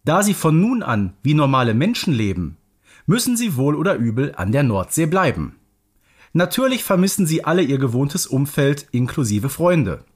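Guy reading a story summary, bit higher voice, super animated storyteller delivery. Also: normal speed, husky.

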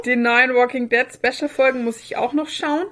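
A woman's voice: sits high, steady tone, normal speed, fairly bright tone. A woman, co-hosting a casual podcast and reading out listener messages. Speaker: podcast co-host.

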